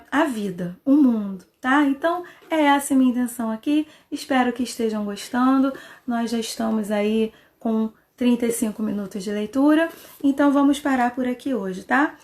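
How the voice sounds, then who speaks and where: Brazilian Portuguese teacher, woman, slightly high voice, patient and chatty, live reading class. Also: a little mellow. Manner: chatty, checks in often with "tá?" and "né?"; patient explainer who pauses and restarts. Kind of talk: casual live reading lesson.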